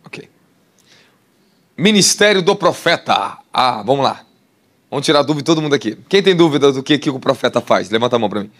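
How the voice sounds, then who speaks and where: A man with a Brazilian Portuguese accent preaching a sermon, animated and laughing, putting questions to the congregation. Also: mid-range voice, fairly quick. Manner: animated, asks the crowd questions, laughs often. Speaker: apostle preacher. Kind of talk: sermon teaching.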